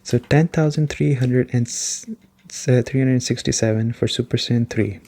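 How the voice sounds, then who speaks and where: A soft-spoken man giving a relaxed, explanatory gaming chat in an ASMR style, rambling a little as he goes. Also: medium pitch, moderate pace. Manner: rambling, explanatory, often checking in with "right?". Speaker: gaming reviewer and host.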